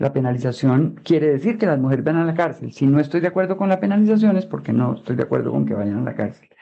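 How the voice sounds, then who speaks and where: A woman speaks very fast with hardly any pauses, her very deep, low voice carrying vocal fry. Her pitch swings very widely. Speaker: psychologist and health services director. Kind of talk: interview.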